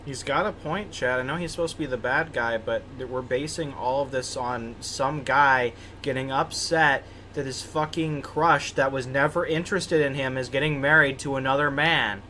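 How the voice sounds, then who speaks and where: A man's voice: mid-range voice, fairly even intonation, moderate pace, hardly any pauses, pushed and bright, slight background noise. A man livestreaming a game with casual, crude and irreverent commentary. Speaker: game streamer.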